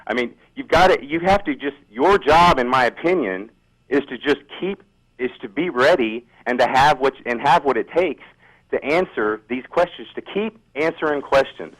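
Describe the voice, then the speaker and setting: Halting man calling a radio show. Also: mid-range voice, expressive, fairly bright tone, low-quality recording. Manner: radio show caller, hesitant and halting, repeating himself. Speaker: caller to a radio-style talk show. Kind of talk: unscripted call-in debate.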